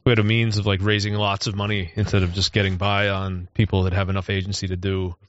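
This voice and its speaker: Fast-talking, exasperated man. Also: sits low, level tone, no room sound. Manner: exasperated, griping. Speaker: podcast co-host and producer. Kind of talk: casual chat. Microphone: close podcast microphone. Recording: dull close-miked podcast audio.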